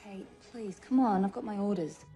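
An actress playing an apologetic office receptionist in a film drama. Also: female voice, mid-range voice, normal speed, warm tone, soft background music, lightly acted.

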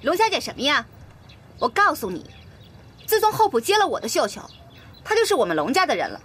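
A woman's voice: high-pitched, wildly swooping pitch, brisk, a bit bright, full character voice. An actress playing a headstrong, lovesick young lady of a rich family in a period TV drama, tearful and demanding. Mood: scornful. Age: young adult. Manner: tearful and demanding, pleading then scolding.

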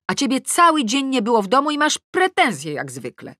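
A woman's voice: high voice, wildly swooping pitch, normal speed, pushed and bright, dry recording, studio quality, voice pushed up, heavily acted. A woman audiobook reader playing an offended, defiant, nearly grown-up daughter, speaking sharply and emphatically.

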